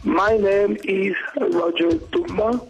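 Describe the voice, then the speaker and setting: A man from Congo, speaking slowly and deliberately in a recorded radio campaign promo. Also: high voice, poor audio. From Democratic Republic of the Congo.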